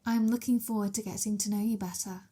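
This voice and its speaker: A woman's voice: medium pitch, steady tone, fast, warm tone, husky, close to an everyday voice. A woman playing a childish, playful, young-looking vampire mistress of a house in an ASMR roleplay, eager and immature in manner.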